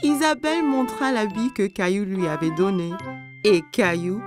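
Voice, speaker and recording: A woman narrating a scripted children's story in simple, clearly phrased sentences. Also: mid-range voice, normal speed, over music.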